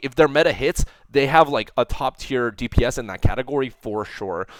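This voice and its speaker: A man speaks in an unremarkable speaking voice, fairly high in pitch. His pitch varies in an ordinary way, and the sound is dry and close with no echo. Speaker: esports coach and analyst. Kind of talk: casual commentary video. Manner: casual, filler-heavy.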